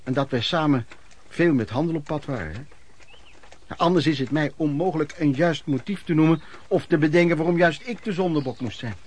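A man's voice: fairly high pitch, a little fast, a little mellow, natural voice. An actor playing an embittered working-class man who recounts his miserable youth in a colloquial radio play monologue. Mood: pained, brooding. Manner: colloquial, emotional storytelling with repetitions. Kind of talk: Dutch radio play narration, reminiscing monologue.

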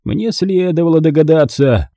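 A man's voice: a little high, huge pitch swings, takes it slowly, vocal fry, mellow, slightly rough, dry recording, pitched above the performer's own voice, exaggerated voice. A man doing a curt, decisive uncle. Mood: brusque. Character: tall, brusque, decisive uncle.

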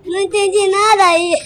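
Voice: extremely high pitch, sharp tone, full character voice. An actor voicing a small, silly, childlike creature in a cartoonish audio drama.

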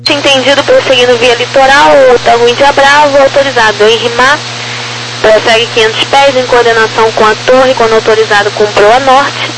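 A woman's voice: a little high, fairly even intonation, a little fast, a bit bright. A Brazilian woman working as an air traffic controller, giving clipped procedural instructions digit by digit over crackly aviation radio. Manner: procedural, reading figures digit by digit.

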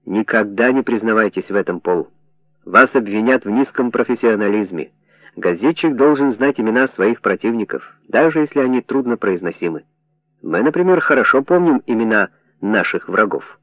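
Мужчина-чтец играет уверенного, ироничного советского чиновника. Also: male voice, fairly low pitch, animated, moderate pace, dry recording. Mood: wry. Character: Soviet official, wry and confident. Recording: dry narrow phone-like sound.

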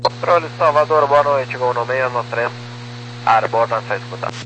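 A man's voice: medium pitch, moderate pace, fairly bright tone, lo-fi sound. A man with a Brazilian accent speaking as an airline pilot, making clipped readbacks over a walkie-talkie style radio. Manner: clipped, procedural. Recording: very noisy radio with mains hum.

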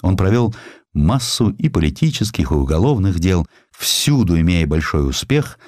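A man reading a historical essay as a scripted, dramatic literary narration, in an expressive, theatrical storytelling manner. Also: deep voice, moderate pace, no echo, clean studio sound. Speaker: audiobook narrator.

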